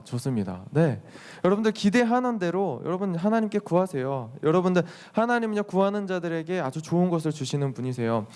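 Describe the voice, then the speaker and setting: A young man, a youth pastor, preaching to teenagers in a lively storytelling way, asking the listeners questions and acting out what people say. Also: a little high, clear, resonant tone. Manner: lively storytelling, acts out quotes with exclamations; addresses the listeners directly with questions. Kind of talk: sermon to teenagers.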